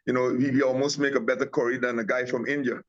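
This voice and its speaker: A man's voice: medium pitch, fairly even intonation, fast, dull audio. A man from Guyana, a tea company owner, talking casually as an interview guest over a remote call, rambling with many restarts and fillers.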